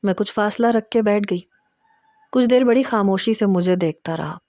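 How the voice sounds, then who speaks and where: Female storyteller, intimate first-person narration, mellow tone. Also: mid-range voice, no room sound, clean studio sound. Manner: steady, intimate storytelling with emotional emphasis in quoted lines.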